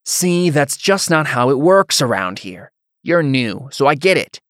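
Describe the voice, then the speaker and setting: A hotheaded young male laborer played by a man narrating an audiobook blusters and mocks in rough, colloquial speech. He is pitched up from the narrator's natural voice and bullies with every line. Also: big pitch swings, a little slow, fairly bright tone, no echo, studio quality. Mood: mock patient.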